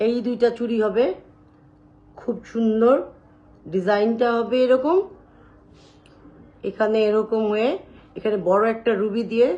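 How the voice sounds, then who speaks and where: A woman hosting a live sales stream, showing jewelry and talking loudly and chattily to her viewers. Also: mid-range voice, lo-fi sound. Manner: loud, chatty, addresses viewers directly.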